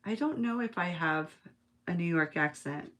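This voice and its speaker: The woman at the craft table on a weekend livestream, thinking out loud and chatting easily with whoever drops in. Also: fairly low pitch, expressive, moderate pace. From United States. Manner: chatty, musing aloud, chuckling often. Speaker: host of a live craft stream. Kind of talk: casual craft-along chat, reading viewer comments.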